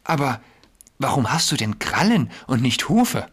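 A man voicing a young goat boy who is curious and wary, asking earnest, doubtful questions in a slightly husky voice. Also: mid-range voice, sing-song, measured pace, pitched above the performer's own voice, heavily acted. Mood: doubtful questioning.

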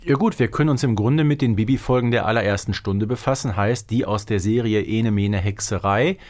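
A man's voice: fairly low pitch, fairly quick, darkish tone. A man co-hosting a podcast, explaining things in casual, conversational talk. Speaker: podcast co-host.

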